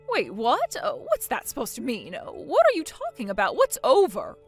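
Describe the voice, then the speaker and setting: A woman plays a bossy middle-aged mother-in-law, loud and demanding in a dramatized story. Her voice sits high and swings widely as she scolds. Soft music plays underneath. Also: huge pitch swings, normal speed, exaggerated voice. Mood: angry.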